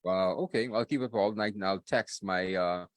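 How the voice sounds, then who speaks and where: A man's voice: sits low, a little fast, dry recording, studio quality. A man co-hosting a live podcast, chatting casually, laughing often and repeating "okay, okay.". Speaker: podcast co-host.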